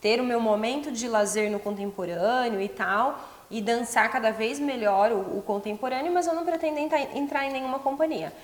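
Noticeable background noise surrounds a woman speaking with a Brazilian accent. She keeps a moderate pace with hardly any pauses and lively intonation. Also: fairly high pitch for a woman. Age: 30s. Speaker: dance teacher. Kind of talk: tutorial. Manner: conversational.

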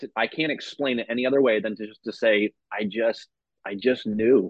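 With an American accent, a man talks at a fairly quick pace in a medium pitch with ordinary pitch variation, in a normal speaking voice. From Maine, US. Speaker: evangelist. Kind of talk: casual interview.

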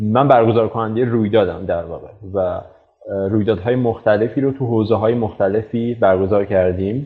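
A plain, everyday voice from a man at medium pitch, with fairly even intonation and a moderate pace. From Bojnurd, North Khorasan, Iran. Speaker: digital marketer and tour leader. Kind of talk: casual interview. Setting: video call.

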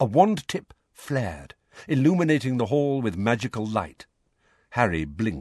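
Lively intonation runs through an unforced reading voice. The background is quiet.

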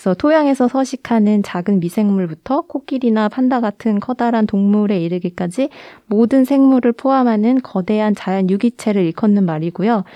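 A woman with a fairly high, dark and mellow voice speaks at a moderate pace with ordinary pitch variation and hardly any pauses. Her loudness stays very even, and the sound is dry and close with no echo. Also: quiet background. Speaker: environmental NGO staff member. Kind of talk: explanatory interview.

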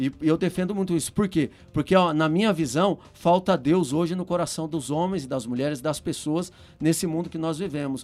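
This is a plain, everyday voice at a moderate pace. The recording is very clean with a silent background. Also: man. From Brazilian Northeast, Paraíba backlands. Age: 40s. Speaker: police captain and political candidate. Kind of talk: interview.

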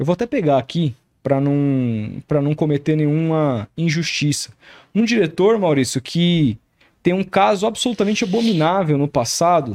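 This man has an unremarkable speaking voice, fairly high in pitch, with lively intonation. He keeps a moderate pace against a quiet background. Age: 30s. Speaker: podcast host. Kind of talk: casual chat. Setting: live stream.

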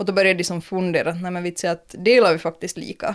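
This woman has a normal speaking voice, pitched fairly low, with fairly even intonation. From Finland, Ostrobothnia (Jakobstad). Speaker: podcast co-host. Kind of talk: casual chat.

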